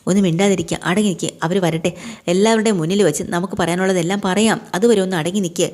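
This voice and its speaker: A woman voicing a calm, soothing family father. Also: on the low side, fast talker, natural voice. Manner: patient, reassuring.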